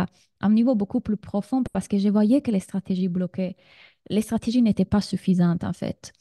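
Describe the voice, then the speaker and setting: A woman in her thirties from Sardinia speaks French with an Italian accent as she runs a live business masterclass. Her voice is soft and warm, and the recording is dry, with no room sound. She talks in a chatty way and speaks straight to her listeners. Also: medium pitch, no room sound. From Sardinia, Italy. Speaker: business coach.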